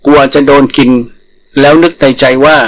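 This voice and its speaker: A man's voice: a little high, flat delivery, moderate pace, rough recording. A man reading a scripted moral folktale as a storyteller.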